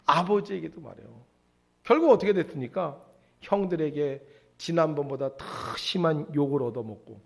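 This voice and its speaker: A male pastor preaching a sermon, telling a story in an animated way and asking the congregation questions. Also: on the high side.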